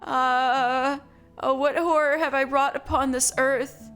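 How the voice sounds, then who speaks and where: A haunted, guilt-ridden mother, as a woman plays her, her high voice slow and measured as she broods. Faint music plays behind her. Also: little pitch movement, fairly bright tone. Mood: fearful. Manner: anxious, brooding inner monologue. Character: frightened, guilt-ridden mother of a strange child.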